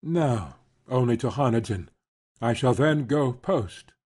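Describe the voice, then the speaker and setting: Voicing a gentleman colonel in an adaptation of a classic novel, this man sounds courteous, reserved, formal, and restrained. His husky mid-range voice is animated, and he takes things slowly in a polite, grave manner.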